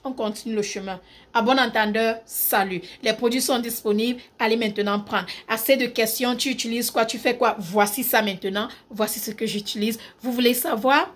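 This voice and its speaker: High-voiced woman, emphatic and repetitive. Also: fairly even intonation, moderate pace. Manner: emphatic, repeats key phrases; switches into English words. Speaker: skincare brand owner. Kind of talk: casual talk to camera.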